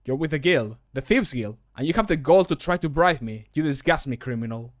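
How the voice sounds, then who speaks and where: A man's voice: on the high side, expressive, brisk, natural voice. A man voicing a righteous, incorruptible fantasy guard for a video game, indignant and scornful. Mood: indignant disgust.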